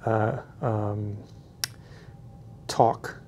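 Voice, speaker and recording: A man giving a casual, unscripted product demonstration in a hesitant, halting way, often searching for words. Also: fairly low pitch, steady tone, darkish tone, slight background noise. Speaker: product reviewer.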